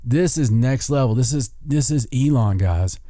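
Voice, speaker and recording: A man's voice: medium pitch, lively intonation, normal speed, warm tone, no room sound, clean studio sound. A man co-hosting a podcast in casual banter, irreverent and rambling, with mild swearing. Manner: irreverent, rambling, mildly profane. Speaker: podcast co-host. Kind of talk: casual paranormal talk show banter.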